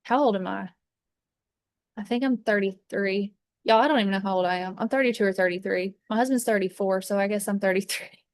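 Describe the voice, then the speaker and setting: A woman in her thirties, working as a fragrance consultant, chats casually inside an RV, rambling with plenty of fillers and restarts. Her voice is medium-pitched and fairly quick, recorded at studio quality with no echo.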